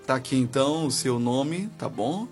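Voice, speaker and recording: A Brazilian man presents a live religious call-in show as a pastor. His voice sits at an ordinary male pitch and he talks affectionately and informally with callers. Faint music plays behind him. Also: moderate pace, a little mellow. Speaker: radio host and pastor taking listener calls. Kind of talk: live radio call-in, friendly chat. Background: music bed.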